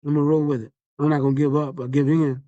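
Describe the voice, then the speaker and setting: A man delivers a motivational podcast talk in a rapid, earnest rush, repeating himself to drive each point home. His words come out slurred from facial palsy, in a somewhat raised but dark, mellow voice. The dry, muffled lo-fi recording has no room sound. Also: a little high, level tone, dry recording. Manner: earnest, repetitive, encouraging. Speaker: podcast host. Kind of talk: motivational monologue.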